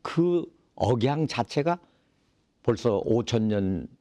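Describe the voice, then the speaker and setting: A man's voice: mid-range voice, expressive, takes it slowly, mellow, no echo, clean studio sound. A man hosting a casual interview, explaining things at a leisurely pace with many fillers. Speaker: interview host.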